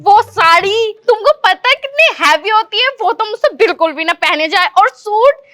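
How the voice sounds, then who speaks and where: A woman's voice: extremely high pitch, expressive, moderate pace, bright, forceful tone, exaggerated voice. A woman playing a cheeky, lazy young modern daughter-in-law who talks back and drops English words. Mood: dismissive. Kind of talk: rustic comedy skit acting.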